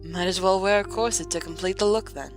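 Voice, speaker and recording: A woman playing a composed, gently teasing young noblewoman in a fan audio drama, with formal and dryly playful wording. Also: mid-range voice, fairly quick, natural voice. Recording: music playing behind. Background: music.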